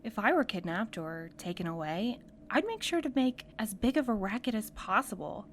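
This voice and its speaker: Woman playing a wary, sardonic woman, mid-pitched. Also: animated, normal speed, slight background noise, close to an everyday voice. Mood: sardonic, nervous. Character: wary, sardonic but loyal woman, uneasy sidekick. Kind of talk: naturalistic audio drama acting.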